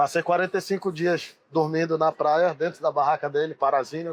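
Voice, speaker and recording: The speaker has a Pará accent. The intonation is fairly even. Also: man. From Brazil, Pará (Oriximiná). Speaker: football director, former player. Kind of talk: casual storytelling interview.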